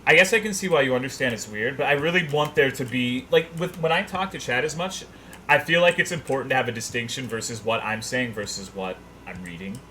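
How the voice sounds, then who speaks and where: A man chatting casually on a livestream, rambling and swearing in a self-deprecating, animated way. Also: mid-range voice, a little fast, slight background noise. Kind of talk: casual livestream chat, reading viewers' messages aloud.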